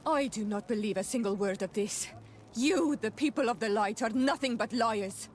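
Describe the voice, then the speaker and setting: A woman's voice: a little high, normal speed, a little hiss or hum, close to an everyday voice. A woman playing a proud, defiant young tribal chieftain's daughter in a video game, speaking earnestly and firmly. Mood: defiant, indignant. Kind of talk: video game cutscene acting.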